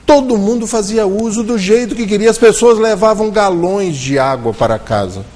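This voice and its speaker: A man giving a religious lecture at a spiritist center, telling a story and slowing his delivery to stress key words. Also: sits high, lively intonation, darkish tone. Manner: storytelling, shifts intonation and slows for emphasis. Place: spiritist center meeting room.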